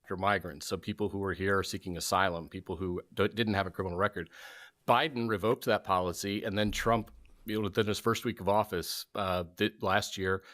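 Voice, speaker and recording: A man talks through a policy point in a low, even voice. His delivery is methodical and conversational, with small fillers as he goes. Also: a little fast. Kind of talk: casual political discussion.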